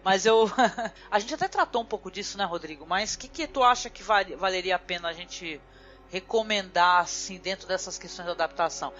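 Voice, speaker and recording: A Brazilian woman hosts a podcast in a loose, casual chat, leaning on tag words again and again. Her voice sits at a middle pitch. The sound is dull and lo-fi, with faint music underneath. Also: brisk, fairly bright tone. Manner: chatty, fills with "né" constantly. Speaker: podcast host.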